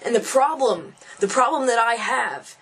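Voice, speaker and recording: A man's voice: very high-pitched, lively intonation, moderate pace, fairly bright tone, breathy edge, soft background music, poor audio. A young transgender man venting casually to camera, frustrated and thinking aloud, often restarting and repeating phrases. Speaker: vlogger.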